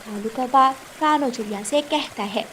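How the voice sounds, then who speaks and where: A woman narrating a cartoon story in a calm, measured storytelling manner. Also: on the high side, a little hiss or hum.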